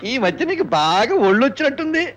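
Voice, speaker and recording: An actor playing a boastful, lecherous older village priest in a film comedy, bragging and then whining in fright. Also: male voice, very high-pitched, very animated, fast, a bit bright, soft background music, full character voice.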